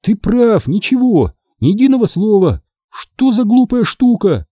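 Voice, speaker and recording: A man voicing an excitable, quick-tempered girl in a storybook reading. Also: high-pitched, no echo, pitched above the performer's own voice. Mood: frustrated.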